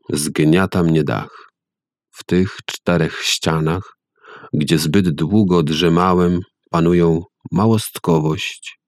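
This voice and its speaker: A man reading a story aloud and voicing a calm, dreamy old farmer who speaks slowly and solemnly. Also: low-pitched, no room sound, clean studio sound.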